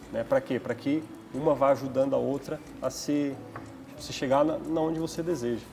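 With long, frequent pauses, a man speaks in a flat monotone at a fairly high pitch. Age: 20s. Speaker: project manager. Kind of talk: studio interview. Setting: studio. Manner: halting.

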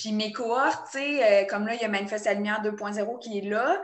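The speaker has a Quebec accent and talks at a moderate pace. There is noticeable background noise and audible room echo. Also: woman. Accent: Québécois French. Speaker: entrepreneur and wellness coach. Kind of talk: casual interview chat.

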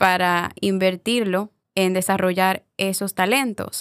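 Very slowly, a woman of medium pitch speaks in a very clean, silent-background recording that is dry and close with no echo. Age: 20s. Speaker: podcast co-host, call center employee. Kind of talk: casual chat.

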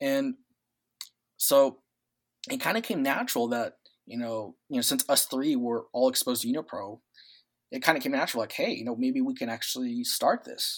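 Long, frequent pauses break up this moderate-paced delivery in an American accent. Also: man. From US, Marietta (raised there after birth in San Diego). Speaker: community organizer. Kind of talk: casual interview. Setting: call.

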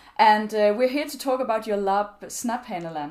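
In a Danish accent, a woman talks fairly quickly at a medium pitch with ordinary pitch variation. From Denmark. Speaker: podcast host. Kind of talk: podcast interview. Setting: festival venue.

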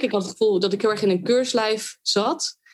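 A woman's fairly high voice at a moderate pace, ordinary pitch variation, and music in the background. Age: 30s. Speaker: pulmonologist and coach. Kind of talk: interview.

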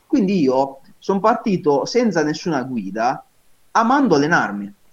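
Very wide swings in pitch mark this man's speech at a moderate speed. Behind him, things stay quiet. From Apulia, southern Italy. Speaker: bodybuilding coach. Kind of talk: casual chat. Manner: animated.

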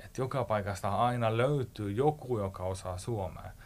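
At a moderate pace, a man talks in a somewhat breathy voice with a fairly low pitch and ordinary pitch variation. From northern Finland (Ii, near Oulu), moved to Åland at 11. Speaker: tourism marketing professional. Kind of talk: interview.

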